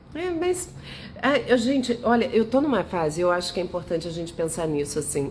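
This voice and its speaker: A woman's medium-pitched voice at a moderate pace, with very wide pitch swings and noticeable background noise. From São Paulo, Brazil.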